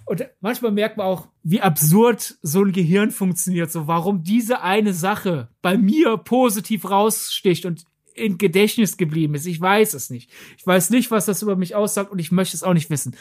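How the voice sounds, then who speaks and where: A woman's voice: medium pitch, normal speed. Woman rambling through a film chat. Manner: rambling, self-mocking, lively storytelling. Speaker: podcast co-host.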